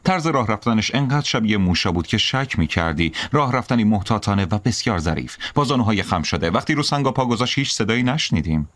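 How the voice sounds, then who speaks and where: Male audiobook narrator, low voice, lively expressive delivery. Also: hardly any pauses. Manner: expressive storytelling.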